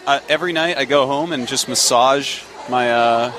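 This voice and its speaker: A man's voice: mid-range voice, normal speed, fairly bright tone, a little hiss or hum. A man co-casting esports with playful, goofy banter, acting out silly bits. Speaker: co-caster.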